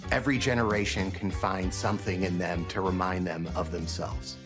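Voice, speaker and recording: A man's voice: low voice, fairly even intonation, moderate pace. A man giving conversational interview commentary. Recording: guitar music behind the voice.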